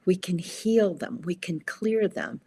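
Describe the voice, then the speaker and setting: A woman speaking as a spiritual guide in conversation, with a deliberate, affirming manner and measured phrasing. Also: lowish voice, mellow, slightly rough. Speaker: spiritual healing guide, podcast guest.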